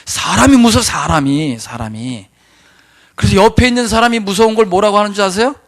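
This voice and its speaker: A man preaching in a church sanctuary, his voice sitting a little high. He keeps the sermon animated, throwing rhetorical questions at the congregation. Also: brisk. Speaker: pastor.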